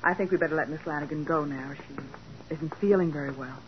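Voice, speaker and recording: A woman's voice: low-pitched, a little fast, natural voice. A woman playing a detective's wry, curious young assistant in 1940s radio crime drama, with a questioning manner. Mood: curious, puzzled. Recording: muffled, noisy 1940s radio recording.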